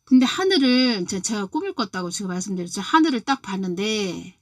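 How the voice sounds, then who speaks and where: A woman's voice: medium pitch, expressive, fast, no echo. Repetitive, emphatic older Korean woman preacher. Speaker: lay preacher. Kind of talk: spiritual testimony and dream account.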